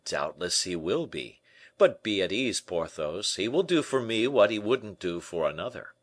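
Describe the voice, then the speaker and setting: A man voicing a shrewd, calm middle-aged friend in an audiobook, speaking in a wry, reassuring, measured way. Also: lowish voice. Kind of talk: audiobook character voice.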